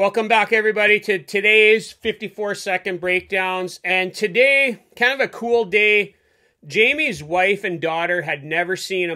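A man's raised, projected voice, bright and sharp in tone, with ordinary pitch variation at a fairly slow pace against a quiet background. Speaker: fishing guide host. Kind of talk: tutorial. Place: home room.

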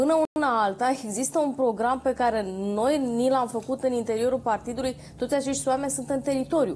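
Talking at a fairly quick pace, a woman with a high pitch keeps her intonation fairly even. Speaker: politician. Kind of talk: heated debate.

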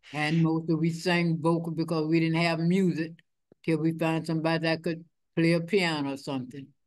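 A woman's monotone, flat delivery at a fairly low pitch and fairly quick pace over a quiet background. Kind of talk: interview answer. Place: church. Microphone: video call.

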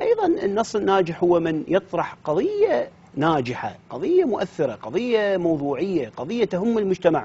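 Hardly pausing, a high-pitched man speaks at a moderate pace with lively intonation. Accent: Iraqi. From Iraq (Baghdad). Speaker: screenwriting professor and author; screenwriting professor. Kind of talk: interview. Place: studio. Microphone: lapel.

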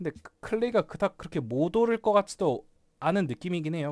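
In a very clean recording with a silent background and a dry, close sound with no echo, a man talks very fast with very wide pitch swings. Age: 30s. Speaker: crypto YouTuber, office worker. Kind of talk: casual live-stream chat.

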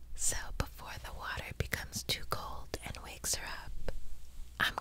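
Whispering, a woman speaks. Her pace is fairly slow. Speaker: ASMR creator. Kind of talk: ASMR narration. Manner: soft-spoken. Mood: tender, calm. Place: home room.

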